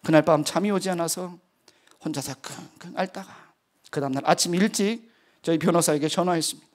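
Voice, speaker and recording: A middle-aged man preaching a sermon testimony in a fairly high voice. He tells his story in an earnest, vivid way, speaking as a missionary to his congregation. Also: a little fast.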